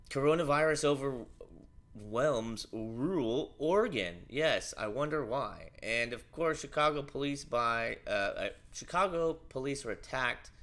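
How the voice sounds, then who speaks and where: A man's voice: medium pitch, a bit bright. A man hosting a livestream, reading news and commenting in a rambling, offhand way with many fillers.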